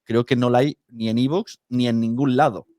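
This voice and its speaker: A man with an accent from Spain hosts a podcast interview in a casual, conversational way. His voice is mid-pitched and recorded dry, with hardly any room sound. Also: fairly even intonation, normal speed, mellow, no room sound. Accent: Peninsular Spanish from Spain.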